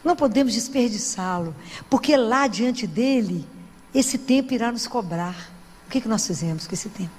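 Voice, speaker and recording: A woman with a Brazilian accent preaches in a warm, chatty storytelling manner, often tossing a questioning "right?" to her listeners. Her voice sits high. A long church-hall reverb trails after every phrase. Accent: Brazilian Portuguese. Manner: conversational, animated storytelling with frequent "né?". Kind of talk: sermon.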